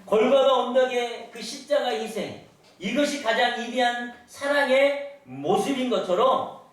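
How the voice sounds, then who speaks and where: High-voiced male pastor in an echoey church. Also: a little slow. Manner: storytelling with rhetorical questions to the congregation. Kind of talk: sermon. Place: large church sanctuary. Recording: echoey church hall, voice from far off.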